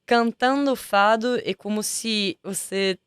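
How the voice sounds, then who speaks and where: A woman's voice: mid-range voice, a little slow, clear, resonant tone, dry recording. A woman, a singer being interviewed in a music studio, chatting casually and often restarting while she searches for words. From Italy. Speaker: guest singer.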